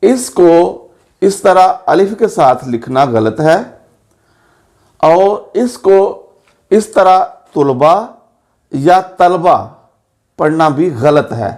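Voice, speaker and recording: Male language teacher, slightly high voice, slow and deliberate delivery, spells words out mark by mark. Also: sing-song, darkish tone. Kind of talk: pronunciation lesson.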